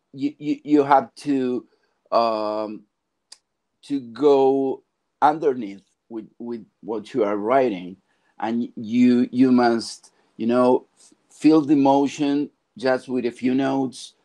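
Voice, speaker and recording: A middle-aged man from Argentina, a film composer, talking on a video call from his home studio with halting phrasing and many restarts. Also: medium pitch, steady tone, dark tone. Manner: halting, searching for words, frequent restarts. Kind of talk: casual video call interview. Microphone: earphone mic on video call.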